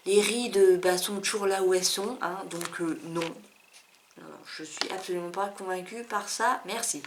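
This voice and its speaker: Woman doing a casual beauty vlog, chatty and candid, lots of little asides, faint hiss behind. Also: mid-range voice. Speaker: beauty vlogger. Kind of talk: casual product review.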